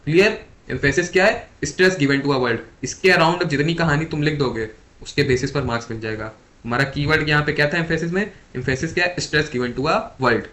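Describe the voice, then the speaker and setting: Man tutoring fast for exams, higher voice. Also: fairly bright tone. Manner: repeats key definitions slowly, quizzing listeners. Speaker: exam tutor. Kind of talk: Hindi-English exam lecture.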